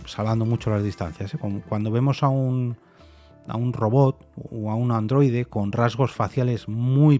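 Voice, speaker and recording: A man with a dark, relaxed voice thinks out loud on his podcast, circling his point with restarts and soft repeated no's. A faint music bed runs quietly under him. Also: medium pitch. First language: Spanish. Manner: thoughtful, hesitant, many restarts and repeated "no". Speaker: podcast host. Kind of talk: reflective solo opinion monologue.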